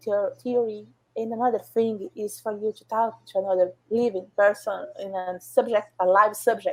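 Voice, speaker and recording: Speaking at a moderate pace with a Brazilian Portuguese accent, a woman uses a fairly high pitch and ordinary pitch variation. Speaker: software professional, panelist. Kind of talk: panel discussion.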